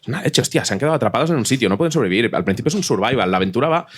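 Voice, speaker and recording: A man's voice: medium pitch, animated, very fast, husky. A man with a Spanish accent from Spain talks casually and colloquially in a panel discussion, explaining things vividly with some mild swearing. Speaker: audio fiction writer, panelist.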